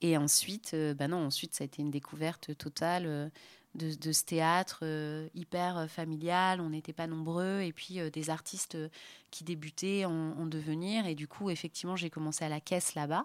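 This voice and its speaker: A woman speaks at a fairly low pitch and moderate pace, her intonation monotone and flat. The recording is very clean with a silent background, dry and close with no echo. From Normandy, France. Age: 40s. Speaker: comedy venue manager and producer. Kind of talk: casual chat. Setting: studio on a barge.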